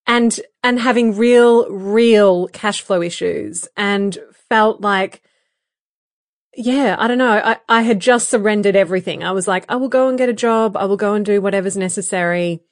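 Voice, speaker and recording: A woman co-hosting a podcast, talking candidly with a croaky voice, laughing often and using many fillers. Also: mid-range voice, moderate pace, dry recording, clean studio sound. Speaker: podcast co-host. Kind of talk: casual podcast chat.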